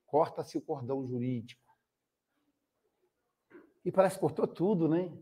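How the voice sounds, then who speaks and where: A man's voice: on the high side, unhurried, mellow, breathy edge. An older man with a Brazilian Portuguese accent giving a spiritist talk, telling stories and acting out the people in them. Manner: storytelling with acted quotes. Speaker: spiritist speaker.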